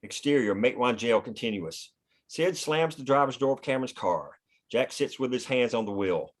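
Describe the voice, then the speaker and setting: A man's voice: medium pitch, animated, moderate pace. Man reading screenplay stage directions. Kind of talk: scripted narration of screenplay action.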